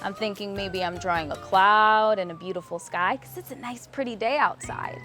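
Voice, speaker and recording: A woman's voice: medium pitch, normal speed, sharp tone, faint music behind. A woman teaching sign language to young children step by step, talking simply and encouragingly to the viewers. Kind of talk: children's show lesson, step-by-step instruction.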